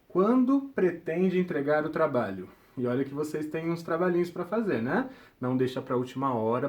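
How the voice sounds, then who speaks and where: A young man teaching a recorded grammar lesson, ending nearly every point with a quick check-in question to his students. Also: on the high side. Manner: ends points with check-in tags like "tudo bem?".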